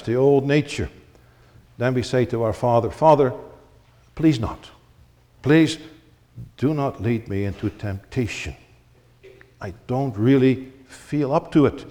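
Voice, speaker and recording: A male preacher giving an earnest, emphatic sermon with pauses and shifts of pace, in a church. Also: medium pitch, a little mellow, big-room sound.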